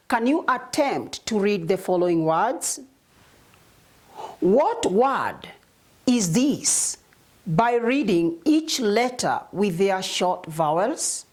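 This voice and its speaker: A woman with a Kenyan accent teaching Arabic short vowels, reciting letters and syllables one by one in a slow, deliberate drill. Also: medium pitch. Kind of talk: slow spelling drill lesson.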